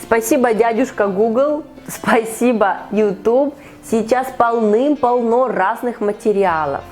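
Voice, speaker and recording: A woman hosting an online conversation as a Russian teacher, asking a learner measured, encouraging questions. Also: on the high side, darkish tone, soft background music. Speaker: Russian teacher and podcast host. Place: online call.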